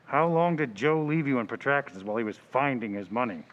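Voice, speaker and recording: A man's voice: medium pitch, lively intonation, fairly quick, lo-fi sound, natural voice. A man playing a no-nonsense, authoritative police detective sergeant in an old-time radio drama. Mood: stern, businesslike. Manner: curt, authoritative, slangy.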